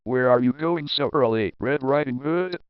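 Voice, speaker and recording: A sly, wicked wolf out of a storybook, acted out by a man, coaxing and falsely courteous. The voice is smooth, in a dry, slightly muffled recording. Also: medium pitch, moderate pace, dry recording, lightly acted. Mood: sly, polite. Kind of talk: storybook character voice.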